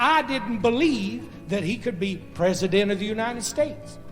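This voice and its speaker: A man with a Southern US accent talks at a fairly slow pace in a high voice for a man. His intonation is lively, and music plays in the background. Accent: Southern American. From Georgia, USA. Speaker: comedian. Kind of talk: live comedic storytelling monologue.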